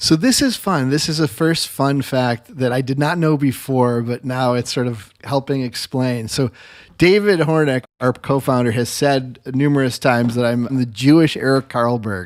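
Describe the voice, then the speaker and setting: Medium-pitched male speech in a Midwestern accent at a moderate pace, with ordinary pitch variation, hardly any pauses, and a very clean recording with a silent background. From US Midwest, north suburbs of Chicago. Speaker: podcast host, venture capitalist. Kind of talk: casual interview.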